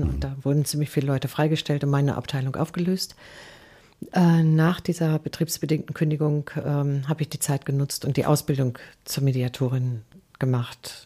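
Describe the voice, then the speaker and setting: Her intonation fairly even, a woman speaks in a very deep, low pitch with a dark, mellow tone, on a very clean recording over a silent background. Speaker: arbitrator and mediator. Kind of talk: interview.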